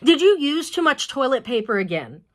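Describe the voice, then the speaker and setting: A woman's voice: sits high, big pitch swings, moderate pace, voice pushed up. A woman reading aloud, voicing a weary teenage girl who talks to her younger siblings in a raised, exasperated voice. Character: weary teenage girl, frazzled older sister.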